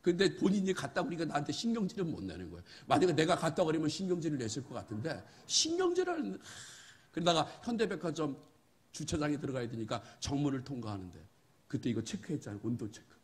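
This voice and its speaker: A middle-aged male pastor preaching a sermon, telling folksy stories, acting out bits of dialogue and building to emphatic, forceful points. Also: fairly high pitch, big pitch swings, fast talker.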